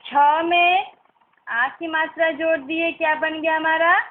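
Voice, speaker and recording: Teacher, woman, young adult: high, unhurried, patient, sounds out each syllable; tinny phone-like recording. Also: fairly even intonation. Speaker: primary school teacher. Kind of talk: recorded online class lesson.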